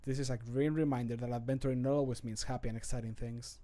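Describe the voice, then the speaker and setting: A man voicing a grave, stoic fantasy adventurer in measured, solemn game voice lines. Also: medium pitch, fairly even intonation, dark tone, natural voice. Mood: grim.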